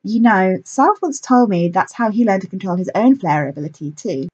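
Woman voicing a young actress, earnest, lively, husky tone. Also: medium pitch, normal speed, muffled recording.

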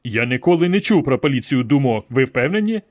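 A man's voice: mid-range voice, sing-song, fairly quick, lightly acted. A man playing a flustered, nervous man. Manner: nervous, protesting. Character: anxious flustered young man.

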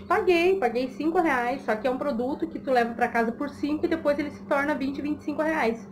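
A woman, chatting casually to camera as a vlogger and often checking in with the listener. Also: on the high side. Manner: conversational, frequent checking tags to the listener. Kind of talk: casual chat to camera, giving tips. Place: small room at home, indoors. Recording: clearly noisy home recording.

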